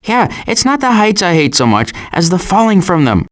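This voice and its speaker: Wry, wisecracking cartoon woodland critter. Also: male voice, high-pitched, very animated, normal speed, a bit bright. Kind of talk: animated video game character lines.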